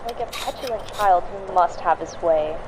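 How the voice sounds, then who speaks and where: Noisy old tape, actress as grim low-voiced woman. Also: natural voice. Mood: grim, ominous. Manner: deliberate, ominous monologue. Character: haunted 1940s woman reporter on tape, grim, deliberate. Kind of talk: dramatic recorded monologue.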